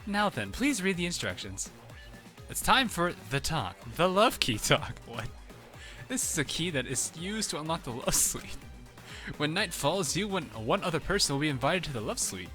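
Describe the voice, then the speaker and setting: A man's voice: on the high side, sing-song, moderate pace, sharp tone, faint music behind. A man voicing a mischievous, gleeful male bear mascot while reading game dialogue, sly and cackling. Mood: gleeful teasing.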